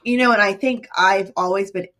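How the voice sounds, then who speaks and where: A woman's voice: medium pitch, moderate pace, fairly bright tone. A woman in her forties, an author, talking as a guest in a casual interview, with lots of fillers and restarts. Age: 40s. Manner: chatty, many fillers and restarts.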